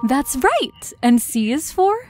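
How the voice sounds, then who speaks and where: A woman's voice: high voice, big pitch swings, takes it slowly, darkish tone, faint music behind, full character voice. A woman playing a young mother in an audio drama, tender with her son and fraying with her husband. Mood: gentle, encouraging. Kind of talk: audio drama dub acting.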